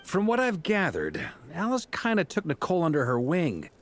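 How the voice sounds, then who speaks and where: A good-natured knight from a fantasy game with a fairly high voice that swings up and down freely. He jokes and teases in a relaxed way. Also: normal speed. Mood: easygoing. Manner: relaxed, teasing banter. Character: genial male knight, easygoing and joking. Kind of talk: video game voice acting.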